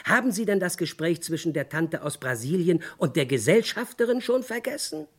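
A man's voice: sits high, big pitch swings, moderate pace, husky, full character voice. An actor playing a smug know-it-all man who keeps teasing and spoiling a mystery. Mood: gloating. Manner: gloating, teasing.

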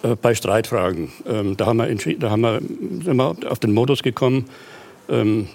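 A man's voice: mid-range voice, moderate pace, creaky, a little mellow. A man on a talk show dropping dry, teasing remarks about his marriage. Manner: dry, teasing one-liners. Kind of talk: casual chat.

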